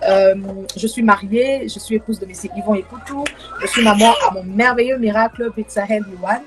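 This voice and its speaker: Fast-talking woman from Congo, soft-spoken. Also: mid-range voice, over music, rough recording. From Democratic Republic of the Congo. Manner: soft-spoken, with frequent fillers and repetition. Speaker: gospel worship singer, guest. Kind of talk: casual live-stream chat. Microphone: video call.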